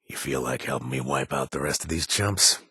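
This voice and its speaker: A man's voice: rumbling low, fairly quick, sharp tone, breathy edge, no room sound, studio quality, exaggerated voice. An actor playing a young male ex-gang member, a chatty ally in a video game who cracks jokes and puns. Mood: urgent. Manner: jokey, punning, chatty with fillers.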